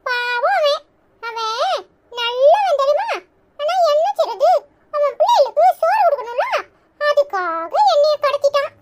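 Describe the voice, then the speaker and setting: A woman's voice: extremely high pitch, big pitch swings, unhurried, full character voice. A woman voicing a chatty, bossy little boy in a cartoon, with a Tirunelveli Tamil accent. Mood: chirpy. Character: chirpy cheeky little boy. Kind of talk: cartoon voice acting. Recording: clear background noise.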